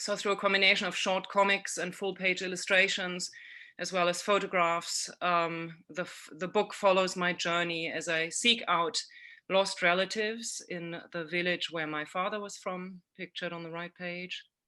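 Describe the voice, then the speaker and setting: In a German accent, a woman of medium pitch speaks with monotone, flat intonation, a bright, sharp tone, and big swings in loudness. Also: moderate pace. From Germany. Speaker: illustrator and author. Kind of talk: presentation. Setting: online symposium. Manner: hesitant, many fillers.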